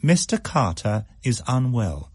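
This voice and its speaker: A man's voice: medium pitch, very animated, measured pace, darkish tone, breathy edge, no room sound, clean studio sound. A man voicing a stern female schoolteacher who speaks curtly and dismissively. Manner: curt, dismissive.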